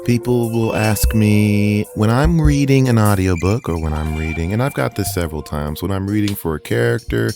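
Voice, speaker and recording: A man's voice: lowish voice, lively intonation, moderate pace, vocal fry, hardly any pauses, music in the background. A man coaching voice acting in a casual, earnest tutorial. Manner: casual, conversational, earnest advice.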